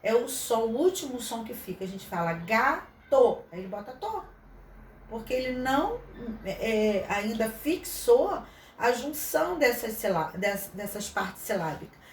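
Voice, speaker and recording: A woman's voice: a little high, lively intonation, moderate pace, darkish tone, distant mic. A woman teaching a literacy lesson from a handout, thinking aloud with many fillers and restarts. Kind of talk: online lesson explaining a handout. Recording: echoey room, voice off-mic, faint noise.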